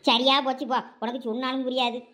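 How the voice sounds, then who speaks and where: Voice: high-pitched, little pitch movement, fast talker, bright, forceful tone. A voice actor playing a scolding, fed-up village mother-in-law in a cartoon, with a Thoothukudi Tamil accent. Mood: exasperated. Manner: scolding, nagging.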